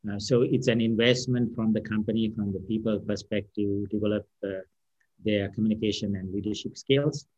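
A man speaking English as his third language, answering interview questions as a company founder with many fillers, pauses and restarts. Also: fairly low pitch, steady tone, a little mellow, dry recording, highs cut off. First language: non-English first language. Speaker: company founder and CEO, guest. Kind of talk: unscripted podcast interview answer.

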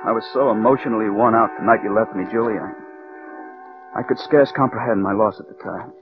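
A man's voice: fairly low pitch, a little fast, close to an everyday voice. An actor playing a driven, resentful male scriptwriter who narrates his own story in a 1940s radio drama. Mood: brooding. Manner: brooding first-person narration. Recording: dull old radio broadcast with music.

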